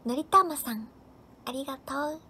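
A woman's voice: high voice, moderate pace, sharp tone. A woman hosting a casual live stream, cheerfully reading out viewers' comments and thanking each of them by name. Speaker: livestream host.

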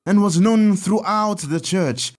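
An actor playing a kindly, learned Catholic priest in an audio drama, teaching children in a patient, measured, explanatory way. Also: male voice, high voice. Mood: storytelling.

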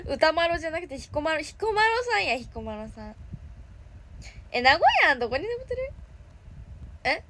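A woman's voice: extremely high pitch, sing-song, measured pace, pauses often, sharp tone. A woman with a Kansai accent, chatting casually on a livestream, reading and thanking viewer comments. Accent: Kansai Japanese. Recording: noisy background.

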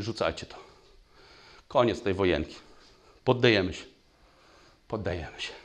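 A man preaching a sermon in a church, telling stories with lively sound effects, at times moved to tears. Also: medium pitch. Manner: animated, acts out gunfire with spoken sounds; emotional, voice breaks. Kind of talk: sermon with storytelling. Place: church hall.

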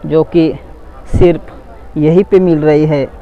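A man's voice: fairly high pitch, fairly even intonation, slow pace, highs cut off. A man vlogging as he walks through an expo hall, telling viewers "guys" what they can see. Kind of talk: walk-through vlog narration. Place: indoor expo hall, tents.

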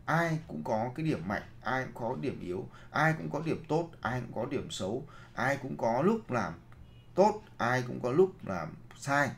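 Man, seminar trainer, rhetorical questions, repeats key points, mid-pitched voice. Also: big pitch swings, measured pace, creaky. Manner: asks rhetorical questions, then answers them himself; addresses the audience directly and repeats key phrases. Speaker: leadership trainer. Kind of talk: seminar lecture.

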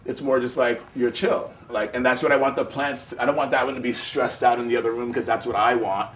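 A man's voice: medium pitch, fairly even intonation, brisk, fairly bright tone, slight background noise. A man from New City, an artist talking casually and rambling, with lots of filler words. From New York City. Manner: laid-back, rambling, lots of "like". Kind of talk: casual conversational interview.

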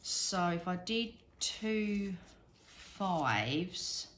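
A British budgeting vlogger sits indoors at a wooden table, casually narrating a hands-on task as she thinks aloud in a rambling, self-deprecating way. Her voice is fairly low, expressive, a bit bright, and very slow.

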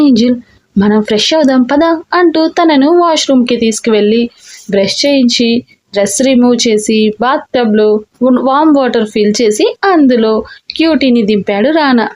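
A woman storyteller narrating a romantic audiobook story in a steady, expressive reading. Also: on the high side.

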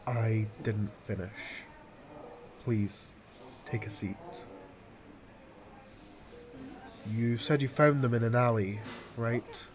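A man playing a calm, formal hospital doctor in an audio drama, speaking in a measured, matter-of-fact way. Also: mid-range voice, a crowd in the background, lightly acted. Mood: grave, calm. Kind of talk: amateur audio drama acting.

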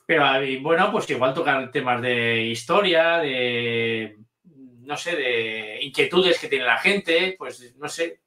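Man, hesitant guest, bright tone, echoey room. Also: mid-range voice, slow. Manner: hesitant, full of restarts and fillers. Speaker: guest, channel manager. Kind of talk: casual interview chat.

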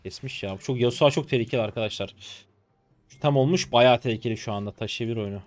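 A man in his twenties commentating his own gameplay live, excitable and swearing casually as he talks to viewers. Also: medium pitch, quick pace. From Turkey. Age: 20s. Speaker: game streamer.

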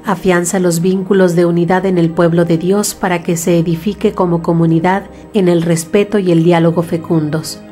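A woman reciting a prayer in a calm, devout manner. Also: lowish voice, normal speed, hardly any pauses, faint music behind. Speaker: prayer reader.

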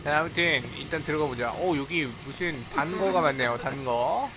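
Over the sounds of a video game and some background noise, a man hosting a gaming video chats casually as he plays. He talks at a normal speed in a voice on the high side, joking, exclaiming, and responding to the characters.

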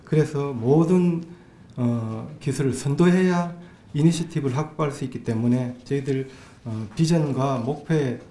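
A man's voice: mid-range voice, unhurried, mellow. A man speaking as a provincial official at a press briefing, formal with frequent hesitations. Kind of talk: official announcement. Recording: echoey room with faint hum.

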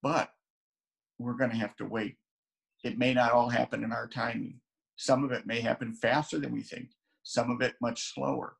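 An older pastor in his sixties gives an earnest, chatty sermon, his voice gravelly and a little husky. He speaks at a middle pitch to a camera set at desk distance in his sunroom at home. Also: level tone, normal speed. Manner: earnest, conversational, with frequent restarts.

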